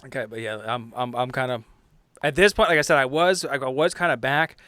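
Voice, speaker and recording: Clear-voiced man thinking aloud. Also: mid-range voice, a little fast, bright, forceful tone, dry recording. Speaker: player in a tabletop game podcast. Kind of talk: casual table talk, describing his character's actions.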